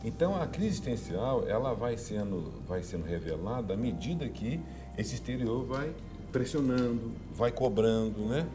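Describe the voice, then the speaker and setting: Upbeat pastor, music behind. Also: male voice, mid-range voice, lively intonation, normal speed. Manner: upbeat promotional delivery with laughs. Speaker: pastor and TV show guest. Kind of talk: casual talk-show chat and church announcements.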